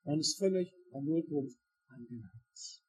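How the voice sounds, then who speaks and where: A man preaching a sermon, expressive and dramatic, acting out quoted voices with shifting loudness. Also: a little high, a little slow, slightly rough.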